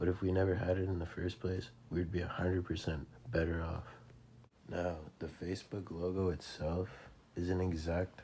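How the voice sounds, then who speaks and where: The man's voice is very deep and low, dark, mellow and somewhat breathy. He keeps a moderate pace and a monotone, flat intonation. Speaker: conspiracy video narrator. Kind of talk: commentary over slideshow. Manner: quiet, not very clear.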